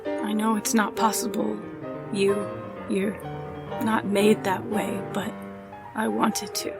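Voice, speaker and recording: An actress playing a frail dying woman in a radio drama, soft and wistful, in golden-age radio acting style. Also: medium pitch, flat delivery, takes it slowly, gravelly. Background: music score.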